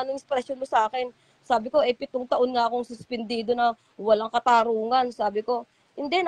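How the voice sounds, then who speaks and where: A woman's voice: a little high, darkish tone. A middle-aged woman, talking as a guest in a heartfelt, rambling way and acting out what others said to her. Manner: rambling, heartfelt, quotes others in their voices. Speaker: guest, former church member. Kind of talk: emotional call-in interview.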